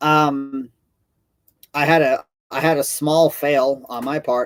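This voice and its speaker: A man speaks at a fairly high pitch. The sound is dry and close, with no echo. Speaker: foraging and homesteading teacher. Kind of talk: live stream chat. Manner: soft-spoken; halting.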